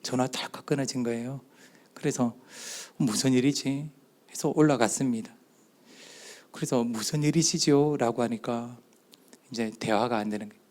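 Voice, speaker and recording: Brief: middle-aged Gyeongsang-accented man, church elder, storytelling testimony, mid-pitched voice, acts out dialogue. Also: normal speed, a little mellow. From southeastern Korea. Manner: storytelling, acting out quoted dialogue; speaks in short spoken phrases. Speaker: church elder giving a talk at a youth retreat. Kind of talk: testimony talk.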